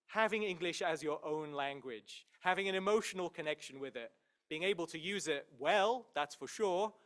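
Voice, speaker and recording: Male academic, slightly higher register, conversational and emphatic, delivering an introductory university admissions talk. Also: fairly bright tone. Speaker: professor, head of a university English department, giving an introduction. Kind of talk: admissions talk to prospective students.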